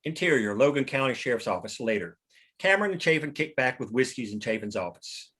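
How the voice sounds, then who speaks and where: A man's voice: mid-range voice, lively intonation, a little fast, fairly bright tone, breathy edge. A man reading scene headings and action lines at a script table read, in scripted narration. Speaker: stage directions reader at a script table read.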